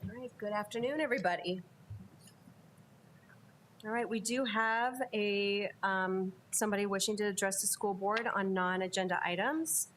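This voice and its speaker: A woman's voice: medium pitch, moderate pace, fairly bright tone, slight background noise. A woman chairing a public school board meeting, explaining the rules informally with many ums.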